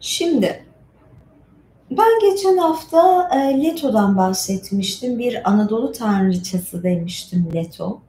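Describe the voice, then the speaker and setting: A middle-aged woman, warm and unhurried, uses lively intonation at a medium pitch as she retells and reads myths on an informal storytelling stream. Her delivery is conversational and rambling, sprinkled with asides. Echo and faint background noise fill the room.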